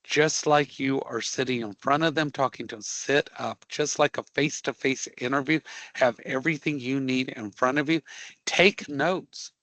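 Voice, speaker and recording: A man's voice: medium pitch, steady tone, normal speed, fairly bright tone, no room sound. Joking, emphatic male career instructor. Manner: emphatic, joking, repeats "okay?". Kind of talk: live class lecture.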